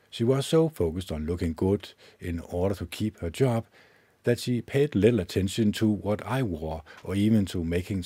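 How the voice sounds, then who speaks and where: A man hosting his own podcast, reading a self-help book aloud in a measured way, with occasional slips he corrects himself. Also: sits low, mellow, husky, no room sound. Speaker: podcast host. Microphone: own microphone with gain up and low cut filter.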